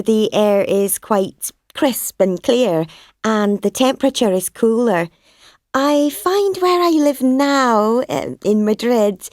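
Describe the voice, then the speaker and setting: Slow-speaking woman from Scotland. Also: a little high, darkish tone, dry recording, clean studio sound. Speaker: interviewee in a listening exercise.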